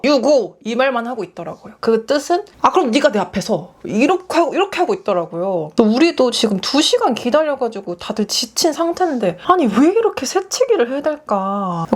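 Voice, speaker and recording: A young woman vlogger chatting through a story while doing her makeup, acting out what other people said. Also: mid-range voice. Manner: animated storytelling, acting out quoted voices. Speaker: beauty vlogger.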